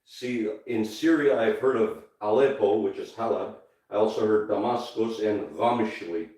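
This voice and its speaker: A man's voice: lowish voice, normal speed, a little mellow. Canadian guy hosting a podcast, kinda rambly and showy, far from the mic in a really echoey room. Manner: rambling, switches languages, plays the showman. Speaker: podcast host. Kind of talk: casual live podcast chat.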